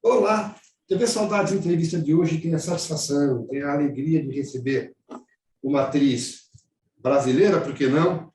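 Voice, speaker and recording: A man's voice: fairly high pitch, normal speed, recorded from a distance. A man hosting an online interview show, chatty, with rambling questions full of restarts, recorded in an echoey room away from the mic.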